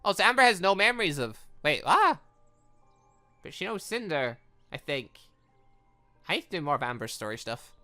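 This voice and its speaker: A gaming host doing a visual novel let's play, reading lines aloud and rambling through off-the-cuff reactions in an animated way. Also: mid-range voice, moderate pace, long pauses, soft background music.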